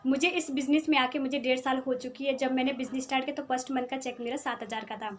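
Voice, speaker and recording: A woman's voice: fairly even intonation, fast, slight background noise. A 22-year-old woman from Dehradun giving an eager testimonial about her online business. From Dehradun, Uttarakhand, India. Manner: eager, upbeat pitch. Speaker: network marketing member. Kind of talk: testimonial self-introduction.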